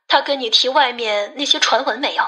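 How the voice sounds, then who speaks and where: A woman acts out a cautious, shrewd woman in audiobook dialogue. Her voice is high and bright, and she questions and advises in a controlled way. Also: fairly quick. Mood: questioning.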